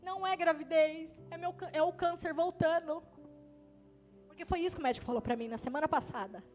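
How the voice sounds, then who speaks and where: A young adult woman, pregnant, preaching in a church, moving from hushed storytelling to loud fervent preaching. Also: very high-pitched, fairly quick, soft background music. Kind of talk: testimony sermon.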